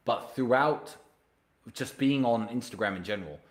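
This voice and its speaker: A man hosting a casual solo livestream, answering viewer questions directly and pitching emphatically. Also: normal speed. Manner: direct, addresses viewers by name.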